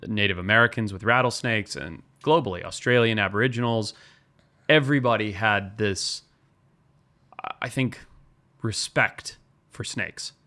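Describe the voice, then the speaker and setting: A man's voice: fairly low pitch, sharp tone. A man from Zimbabwe, a wildlife biologist guest, explaining and telling stories in an earnest podcast talk.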